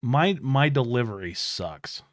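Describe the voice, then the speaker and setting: A man co-hosting a candid couple's conversation, halting and self-critical with frequent restarts. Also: mid-range voice, big pitch swings, no echo, studio quality. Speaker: podcast co-host.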